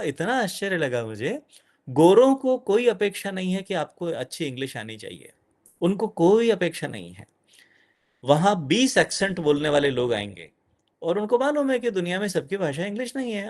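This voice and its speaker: A middle-aged man giving an animated lecture to an audience as a guest speaker, dropping in English phrases. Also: high voice.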